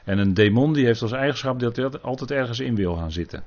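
In a dull lo-fi recording, a preacher teaches a Bible sermon in an earnest, cautious way, frequently tacking on tag questions to check in with listeners. He speaks fast at medium pitch, animated and a little mellow.

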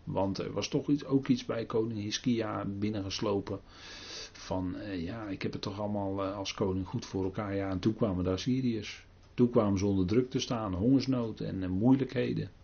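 An older man giving a halting Bible talk, full of pauses and restarts. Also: lowish voice, steady tone, vocal fry, warm tone, slightly rough, dull audio. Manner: halting, many fillers and restarts. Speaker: preacher.

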